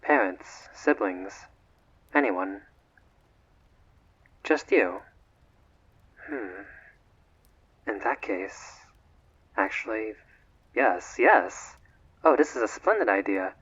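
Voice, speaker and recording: A man voicing a bored, courteous immortal vampire in a roleplay audio, with formal, measured, slightly haughty old-fashioned diction and a husky voice. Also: on the low side, lively intonation, a bit bright, lo-fi sound, full character voice. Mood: hesitant, surprised, then pleased. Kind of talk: scripted roleplay audio drama, one side of a phone call.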